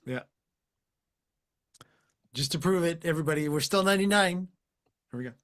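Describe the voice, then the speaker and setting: A man's voice: a little high, normal speed, fairly bright tone. A man co-hosting a livestream, upbeat and speaking to the audience. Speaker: livestream co-host. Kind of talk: casual live chat.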